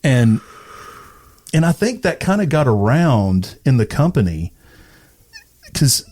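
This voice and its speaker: A man's voice: medium pitch, sing-song, slow pace, a little mellow. A middle-aged man from East Texas chatting casually as a podcast guest, retelling stories with quoted dialogue. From East Texas, USA. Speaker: podcast guest, radio personality. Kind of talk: casual conversational storytelling.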